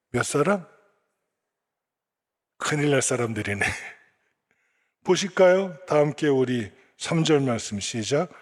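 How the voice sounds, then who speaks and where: A man's voice: fairly high pitch, long reverb tail. A male pastor with a Gyeongsang accent preaching a sermon and quizzing the congregation with repeated questions. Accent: Gyeongsang Korean.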